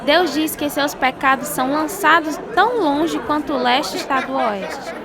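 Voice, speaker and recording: An actress playing a devout, forgiving wife who speaks with earnest reassurance in a radio drama. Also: female voice, high voice, expressive, unhurried, crowd noise. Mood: reassuring. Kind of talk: scripted radio drama dialogue.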